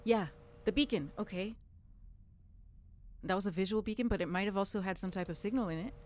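A woman taking part in a tabletop role-playing game, speaking excitably. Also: mid-range voice, a little fast, a little hiss or hum. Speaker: player. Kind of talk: tabletop role-play as a character.

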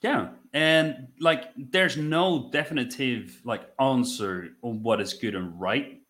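A man in his thirties from the Netherlands with a Dutch accent, telling his story conversationally as a podcast guest, in a reflective way with halting phrasing and repeated words. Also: medium pitch, fairly bright tone. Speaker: podcast guest, business owner.

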